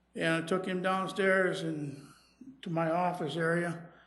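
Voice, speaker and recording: A man's high-pitched voice carries audible room echo. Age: 60s. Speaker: public commenter, retired janitor and pizza driver. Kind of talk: public comment. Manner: informal, conversational.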